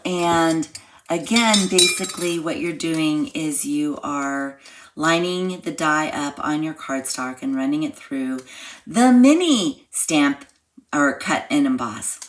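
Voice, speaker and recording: A woman with a slightly hoarse, froggy voice, chatting step by step through a live card-making class. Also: low-pitched, a bit bright, a little hiss or hum. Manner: chatty step-by-step explaining while crafting. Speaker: craft class instructor. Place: home craft room.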